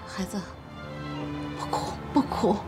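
A woman's voice: slow pace, loud music behind the voice, natural voice. An actress playing an older mother-in-law in a TV drama, soothing at times, scolding and lecturing at others. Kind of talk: TV drama acting.

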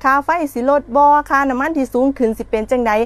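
A woman's voice: high-pitched, steady tone, fast talker, no echo. A woman in her thirties with an Isan accent, anchoring a regional news segment in a chatty, folksy way, recorded in a TV studio on a lapel mic. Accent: Isan (Northeastern Thai). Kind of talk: casual regional news chat.

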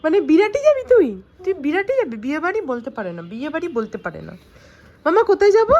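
A woman's voice: sits high, sing-song, fast, a little mellow, highs cut off. A young woman, a mother, chatting in a family vlog and talking in affectionate baby talk to her small daughter. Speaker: vlogger mother. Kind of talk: casual family vlog chat.

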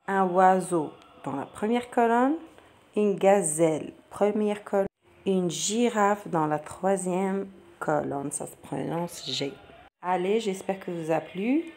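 A woman's voice: mid-range voice, darkish tone. A woman explaining a primary-school practice exam step by step to children, patiently repeating each question before answering it. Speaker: teacher going over a practice exam. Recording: faint background noise.

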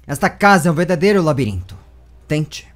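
A man's voice: fairly high pitch, very animated, fairly quick, fairly bright tone. A man voicing a menacing, grandiose villainous knight from an anime. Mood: taunting. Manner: grandiose, threatening, theatrical.

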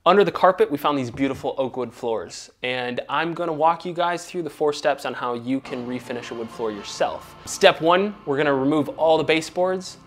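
A young man talks through a floor refinishing job with upbeat, step-by-step explanations. His voice bounces around a bare, echoey room, with music playing underneath. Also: on the high side. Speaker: DIY renovator. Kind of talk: DIY how-to walkthrough. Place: empty room under renovation, indoors.

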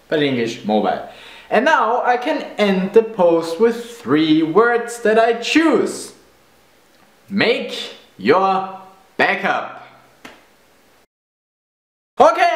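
A man's voice: high voice, roomy sound. A young man in his twenties with a German accent, playful and self-mocking as he answers questions in a casual video. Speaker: vlogger. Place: room indoors. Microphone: camera at close range.

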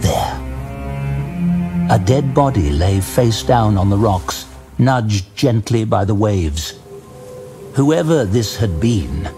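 A man narrating a scripted fantasy story dramatically, in a measured, suspenseful manner. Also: lowish voice. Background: music.

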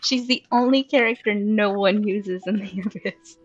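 A woman chatting casually while hosting a gameplay video, excitable and giggly, given to exclamations and sing-song bits. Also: mid-range voice, moderate pace, dry recording, highs cut off, faint music behind. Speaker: gaming video host.

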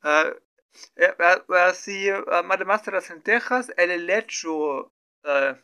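A man practicing Spanish as a learner, talking slowly through an improvised story with many fillers, restarts and self-corrections. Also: high-pitched, sharp tone, clean tone. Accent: non-native Spanish learner. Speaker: language learner streaming his practice. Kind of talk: halting improvised practice talk.

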